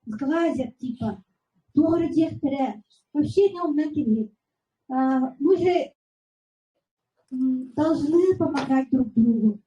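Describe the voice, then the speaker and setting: A woman's voice: high-pitched, slow pace, long pauses, warm tone. A woman hosting a presentation, encouraging the audience and heaping praise on speakers. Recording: echoey, muffled room sound.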